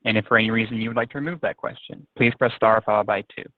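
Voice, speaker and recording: A male conference operator rattles through scripted caller instructions in a fairly low voice. The sound is a narrow telephone band, very dry with no room around it. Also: steady tone, rapid-fire, no echo. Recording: dry, narrow phone line.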